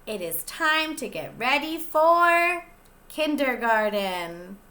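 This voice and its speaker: एक प्री-के शिक्षिका, बच्चों को कहानी पढ़ती हुई, धीमी और बहुत उतार-चढ़ाव वाली आवाज़।. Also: female voice, high voice. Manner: sing-song, slow and expressive, addressing young children. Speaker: pre-K teacher. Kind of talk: children's read-aloud.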